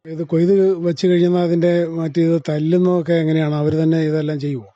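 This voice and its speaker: A man's voice: fairly high pitch, little pitch movement, fast, mellow, no room sound. A man with a Kerala accent working as a radio interviewer, asking conversational, inquisitive questions and checking the answers. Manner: inquisitive, often ends with confirming tag questions. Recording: dull, band-limited dry radio recording.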